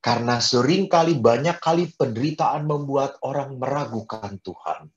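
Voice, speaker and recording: A man, a Catholic priest, giving a sermon in an animated way, repeating words for emphasis and swinging from loud to soft. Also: normal speed, lo-fi sound. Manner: animated, with sharp swings in pitch and loudness.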